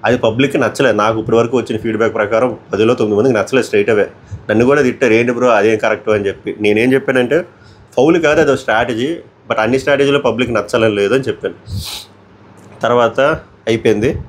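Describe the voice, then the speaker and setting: A man's voice: medium pitch, fairly even intonation, fast. A man with a Telugu accent giving casual, opinionated commentary on a reality show, often talking straight to the contestants.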